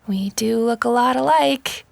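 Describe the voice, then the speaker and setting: A woman's voice: fairly high pitch, a little slow, gravelly, no room sound. A woman voicing an earnest, idealistic, outspoken sixteen-year-old girl in an audio drama, with a pushy, youthful manner. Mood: shy, curious. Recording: music under the voice.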